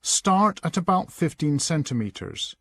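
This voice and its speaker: A man with a slightly high voice narrates a scripted lesson. He gives instructions in a measured way, recorded close and dry with no room sound. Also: big pitch swings, fairly bright tone, no room sound.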